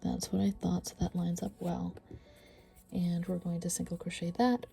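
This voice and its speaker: A woman with a stuffy nose teaching a crochet tutorial, counting stitches aloud and often sinking to a soft near-whisper. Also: on the low side, level tone, moderate pace, creaky, breathy edge, soft background music. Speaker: crochet instructor. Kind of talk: step-by-step craft tutorial.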